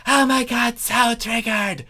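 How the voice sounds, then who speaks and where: A woman's voice: on the high side, fairly even intonation, slow pace, sharp tone, voice pushed up, full character voice. A woman voicing an indignant, argumentative monster queen, dramatic and affronted, in a comic story reading. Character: exploded villainous changeling queen, indignant and argumentative.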